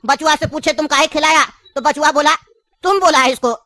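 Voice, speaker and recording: A woman playing a high-voiced pushy old grandfather. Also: steady tone, fairly quick, sharp tone, no room sound. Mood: storytelling. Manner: insistent, storytelling, long-winded. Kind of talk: cartoon comedy voice acting.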